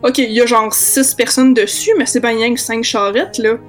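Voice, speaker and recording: A woman's voice: on the high side, fairly even intonation, normal speed, faint music behind, close to an everyday voice. Woman doing a casual Québécois hobbit. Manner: casual, hesitant. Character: startled young male hobbit, easygoing.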